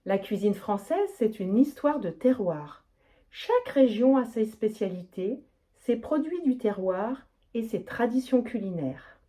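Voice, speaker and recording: Woman language teacher, deliberate and clear delivery, mellow tone, animated melody. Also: a little high. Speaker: French teacher. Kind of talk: teaching, reading practice answers.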